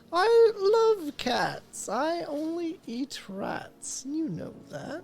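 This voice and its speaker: A put-on character voice, very slow and high in pitch. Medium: actual play. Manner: sly, mock-polite.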